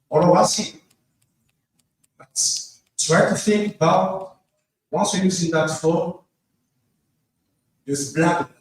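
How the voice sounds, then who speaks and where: A man from DR Congo with a Congolese French accent speaks halting English in an impassioned speech from the audience floor, repeating phrases for emphasis. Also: fairly high pitch. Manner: halting, non-fluent English with repetition for emphasis. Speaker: audience member at a conference. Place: large indoor conference room. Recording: very echoey hall, distant mic, faint noise.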